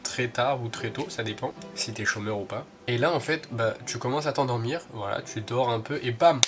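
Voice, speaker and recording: A young man with a stuffy, congested voice chats casually to his viewers, wandering through his points with plenty of fillers. His pitch sits in the middle, and music plays clearly behind him. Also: normal speed. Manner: chatty, rambling, with many fillers. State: stuffy nose from a cold. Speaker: vlogger. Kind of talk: casual vlog chat.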